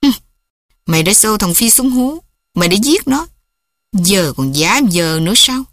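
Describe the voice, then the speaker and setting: A woman's voice: mid-range voice, very animated, measured pace, fairly bright tone, dry recording, studio quality. A woman voicing a stern, domineering old father who scolds sharply. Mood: harsh.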